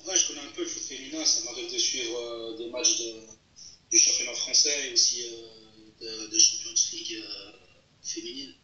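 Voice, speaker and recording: A man's voice: medium pitch, fairly even intonation, normal speed, bright, forceful tone. A man in his thirties from France, a footballer answering interview questions, hesitant and repeating words as he searches for them. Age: 30s. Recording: roomy, distant, dull lo-fi sound.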